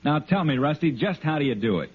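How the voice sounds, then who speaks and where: A man's voice: on the high side, expressive, fast, husky. A man announcing a 1950s radio show and its commercial in a hearty, upbeat way. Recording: tinny old radio broadcast.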